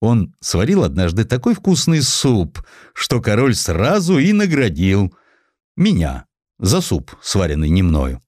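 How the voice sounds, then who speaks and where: Male actor as aging gloomy tycoon, wry, self-mocking, grumbling, low voice, lively intonation, audio drama. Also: a little slow, no echo, studio quality, full character voice. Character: Alfred Nobel, wry gloomy aging misanthropic inventor tycoon.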